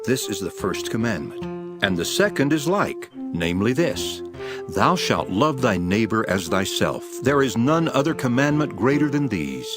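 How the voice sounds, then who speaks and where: A man playing Jesus as a solemn, authoritative teacher with measured delivery in a dramatized scripture reading. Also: mid-range voice, sing-song, close to an everyday voice. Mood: solemn, teaching. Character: Jesus, calm authoritative male teacher rebuking and instructing. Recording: voice over prominent background music.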